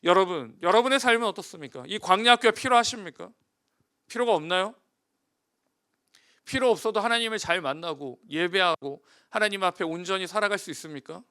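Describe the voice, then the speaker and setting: Bright, clear-voiced pastor preaching. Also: male voice, high-pitched, expressive, fairly quick. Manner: rhetorical questions, swings between loud and hushed. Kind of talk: sermon.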